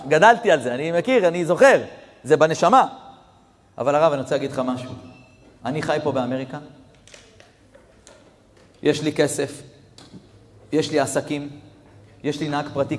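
A rabbi preaches to a crowd, his fairly high man's voice dropping low for a story and then rising into fervent, near-shouted appeals. He keeps speaking straight to his listeners. The sound carries a long reverb, as in a large hall. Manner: dramatic, swings from hushed to near-shouting; addresses audience directly. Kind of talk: storytelling sermon.

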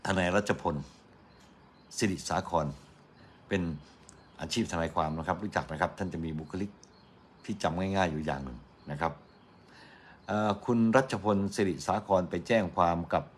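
Brief: middle-aged male radio commentator, low voice, chatty and argumentative, faint background hiss. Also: moderate pace, pauses often. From Thailand. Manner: chatty, argumentative, quotes critics in a mocking tone. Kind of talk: casual morning news commentary.

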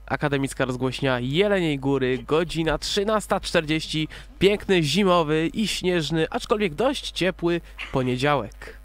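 A man's voice: on the high side, expressive, normal speed. A young man talking casually and playfully into a studio microphone. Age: young adult. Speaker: student radio voice actor. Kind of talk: casual chat and playful mic check. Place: small academic radio studio. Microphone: studio microphone on boom arm.

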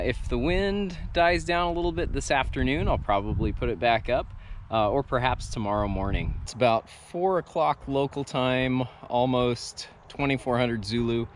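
An American man in his thirties talking casually outdoors as a ham radio operator, on a camera mic. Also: mid-range voice. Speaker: amateur radio operator and vlogger. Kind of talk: casual vlog talk and radio contacts. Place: open grassy yard outdoors. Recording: outdoor noise, faint vehicle sounds.

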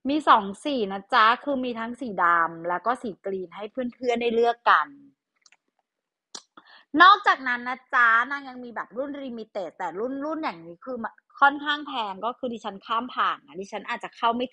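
A woman's voice: on the high side, animated, normal speed, pushed and bright, dry recording. A young adult woman vlogger chatting casually through handbag releases, thinking aloud and poking fun at herself. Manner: chatty, thinks aloud, self-mocking asides. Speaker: fashion vlogger. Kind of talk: casual product talk.

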